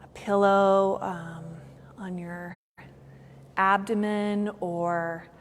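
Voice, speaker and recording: A woman yoga teacher leading a guided meditation in unhurried phrases with long pauses between them. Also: medium pitch, level tone, a little hiss or hum. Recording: long hall-like reverb.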